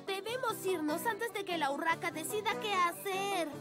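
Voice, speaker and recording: A woman's voice: very high voice, moderate pace. A woman voicing an eager, helpful and plucky little elf boy in a children's cartoon dub. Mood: proud. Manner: earnest, boyish, plucky. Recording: prominent music behind the voice.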